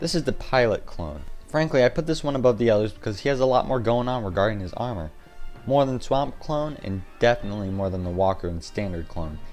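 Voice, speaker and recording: With music in the background, a man speaks at a fairly quick pace. His fairly low voice makes very wide pitch swings. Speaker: YouTuber. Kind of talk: video game commentary.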